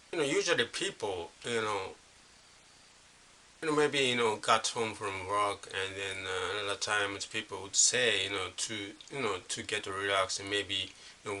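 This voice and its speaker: Halting middle-aged Japanese man, bright edge. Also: lowish voice, a little hiss or hum. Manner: halting, leans on constant "you know" fillers and restarts. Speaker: vlogger. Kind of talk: unscripted casual monologue.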